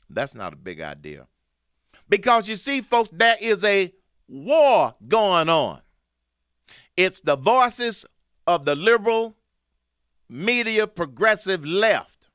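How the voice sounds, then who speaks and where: A talk show host runs through the news in opinionated commentary, his bright, smooth voice swinging in pitch. He mixes loud emphasis with low asides, and the studio sound is dry and close.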